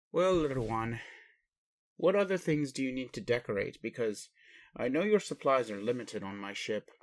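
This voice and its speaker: A man playing a gentle, puzzled alien daddy in an intimate roleplay audio, indulgent and bemused, with questioning hesitations. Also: mid-range voice, no echo, clean studio sound. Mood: gently curious. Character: gentle, puzzled alien daddy, adult male spaceship commander. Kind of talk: intimate roleplay audio, speaking to one listener.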